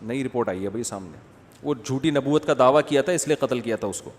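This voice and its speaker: A man giving a humorous religious talk, telling stories with comic impressions and answering questions read out from the audience. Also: mid-range voice. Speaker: Islamic scholar answering questions. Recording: long hall reverb.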